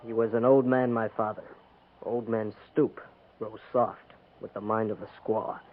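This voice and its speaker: An actor playing a proud, defiant young Native American band leader in a 1950s radio western, speaking solemn, stilted English. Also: male voice, fairly low pitch, level tone, normal speed, close to an everyday voice. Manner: terse, solemn, stilted broken English, declamatory. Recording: noisy, narrow-band 1950s radio recording.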